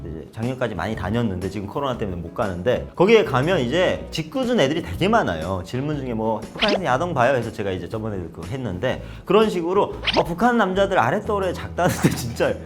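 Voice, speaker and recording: A man's voice: mid-range voice, fast, few pauses, music in the background. A young man from North Korea talking casually to camera, telling stories with acted-out quotes. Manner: lively storytelling with acted-out quotes. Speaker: vlogger.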